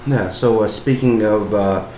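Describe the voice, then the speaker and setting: A man's voice: lowish voice, measured pace, dark tone. A young man hosting his own podcast, talking casually and rambling with lots of fillers and apologies. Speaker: podcast host. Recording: echoey room, faint hiss.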